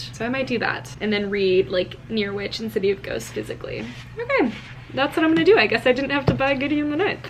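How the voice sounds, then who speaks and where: A woman rattles off her words at a very fast pace while noticeable noise fills the background. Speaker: book vlogger. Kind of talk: casual vlog.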